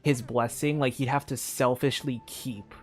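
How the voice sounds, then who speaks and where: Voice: mid-range voice, steady tone, normal speed. A game streamer thinking aloud in casual commentary, speaking in a hesitant, rambling way full of fillers. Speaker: streamer playing a video game. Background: video game music.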